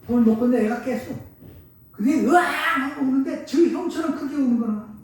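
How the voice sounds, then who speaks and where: Older pastor in an echoey church. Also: male voice, extremely high pitch, a little fast. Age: 70s. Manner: folksy storytelling with sudden loud rises. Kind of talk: sermon. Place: church sanctuary. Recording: echoey church hall, mic far off.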